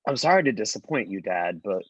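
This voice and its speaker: A man's voice: lowish voice, very animated, a little fast, breathy edge, no room sound. A man playing a meek, apologetic college student in a table read, hesitant and deferential.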